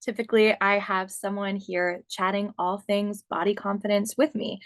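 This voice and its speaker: A woman's voice: medium pitch, little pitch movement, moderate pace, no echo. A young adult woman from Pennsylvania hosting her podcast alone, talking earnestly and encouragingly straight to the listener. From Pennsylvania, USA. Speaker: podcast host and body confidence coach. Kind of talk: solo podcast monologue.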